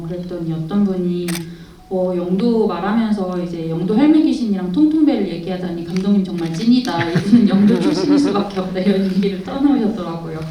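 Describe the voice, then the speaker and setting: A woman with a mellow voice moderates a film festival Q&A, putting friendly questions to the guests. Her voice comes from a distance and echoes in the cinema hall. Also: medium pitch, a little hiss or hum. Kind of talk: hosting a festival Q&A.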